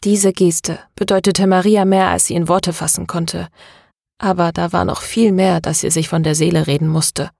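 Low-voiced woman reading an audiobook. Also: little pitch movement, normal speed, creaky, darkish tone, no room sound, studio quality. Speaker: audiobook narrator. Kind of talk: scripted narration.

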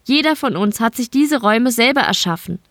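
A woman's voice: on the high side, lively intonation, a little fast, fairly bright tone, no room sound, pitched above the performer's own voice. A bitter, beaten young woman guard speaks in a raised, reproachful voice, pointed and accusing, as a woman narrator puts her on. The audiobook sound is dry and close. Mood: urgent.

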